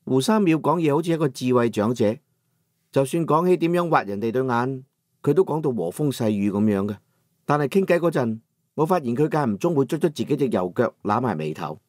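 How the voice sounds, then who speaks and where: A man narrating a first-person audiobook novel in a measured storytelling manner, over soft background music. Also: mid-range voice, expressive, no echo. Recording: dry studio with soft music.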